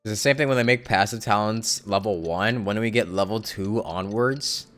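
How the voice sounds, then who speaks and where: A man with a lowish voice streams a video game. He comments in a laid-back, offhand way, in short casual reactions, with game music playing behind him. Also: moderate pace, a bit bright.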